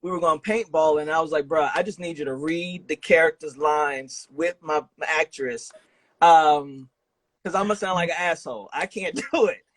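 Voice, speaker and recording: Man, podcast host, fairly high voice, dry sound, slangy, halting, conversational. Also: a bit bright, no echo, low-quality recording. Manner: informal, slangy, halting delivery. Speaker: podcast host interviewing an audio drama creator. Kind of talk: casual conversational interview.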